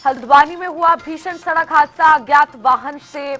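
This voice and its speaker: A woman news anchor reading a headline bulletin in a brisk delivery. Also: sits high, sharp tone. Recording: faint music bed behind.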